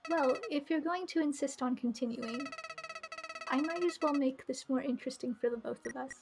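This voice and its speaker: A woman's voice: sits high, normal speed, music in the background. A woman voicing a mocking, sarcastic talking flower from a video game. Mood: taunting. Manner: sarcastic, taunting.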